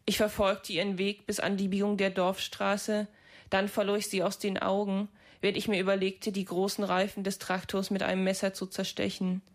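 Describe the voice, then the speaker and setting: Calm literary reader, woman, very even flat delivery, measured. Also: medium pitch. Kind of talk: literary reading.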